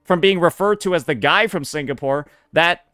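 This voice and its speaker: Sarcastic, profane man with a clear high voice. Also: moderate pace, sharp tone, dry recording, studio quality, faint music behind. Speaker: commentary streamer. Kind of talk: reaction commentary.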